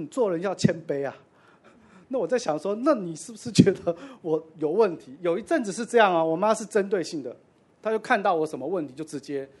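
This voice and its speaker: A man preaching a sermon as pastor, conversational with self-deprecating asides. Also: a little high.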